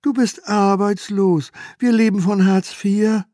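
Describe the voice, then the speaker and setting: An older man in his eighties raising his voice to play a calm wife soothing her husband in a cabaret story. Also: sits high, slow, dry recording, studio quality, pitched above the performer's own voice. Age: 80s.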